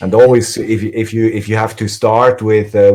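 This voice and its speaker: Captured in a very clean recording with a silent background, a man with a Swiss accent and a dark, mellow tone speaks at a moderate pace. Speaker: microcontroller and sensor tech YouTuber. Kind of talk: live stream interview answer. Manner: hesitant, many fillers and repetitions.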